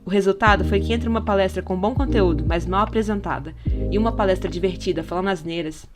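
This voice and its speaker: Over background music, a podcast narrator from Brazil reads a scripted essay in an explanatory style. She often poses rhetorical questions, speaking at a quick pace in a medium-pitched voice.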